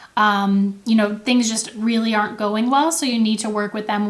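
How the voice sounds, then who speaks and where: Through noticeable background noise, a woman with a fairly high pitch talks at a fairly quick pace with ordinary pitch variation. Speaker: literacy specialist, teacher. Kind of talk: tutorial. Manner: conversational.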